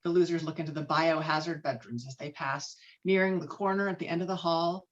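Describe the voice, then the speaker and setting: A woman's voice: sits low, brisk. A woman reading screenplay stage directions dramatically as narrator of a table read, over a video call. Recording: dull lo-fi video call sound.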